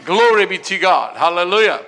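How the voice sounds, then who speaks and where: A man's voice: high-pitched, very animated, a little fast, creaky, fairly bright tone. A man with an Italian accent preaching a jovial, laughing Christmas sermon as pastor, dropping frequent amens.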